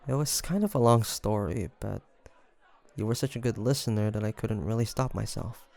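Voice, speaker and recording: A man playing a guarded young demon hunter in an intimate audio roleplay, hesitant and confiding, with a softer side showing through. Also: fairly low pitch, normal speed, vocal fry. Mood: relieved, sheepish.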